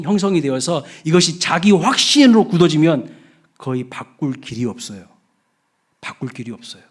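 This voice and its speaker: A middle-aged male pastor preaching a sermon with emphatic, rising delivery. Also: fairly high pitch. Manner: emphatic preaching, rising loud when acting out the thief.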